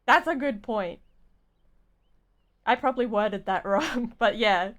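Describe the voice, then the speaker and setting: A woman game streamer giving casual live commentary, rambling and halting as she thinks aloud. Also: on the high side, lively intonation, fairly bright tone.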